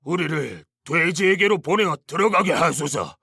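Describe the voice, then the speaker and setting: A man's voice: on the high side, expressive, moderate pace, creaky, sharp tone, breathy edge, no echo, studio quality, heavily acted. A man voicing a tormented male demon who begs and pleads, in a dramatized scripture reading. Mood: pleading. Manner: pleading, begging.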